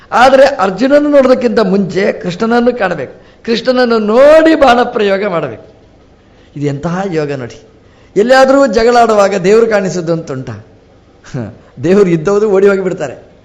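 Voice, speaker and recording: A man, a swamiji, giving a storytelling religious discourse with lively rises and drops and acted-out dialogue. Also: high voice. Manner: animated, rising and falling sharply, quoting characters in dialogue. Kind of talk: storytelling sermon.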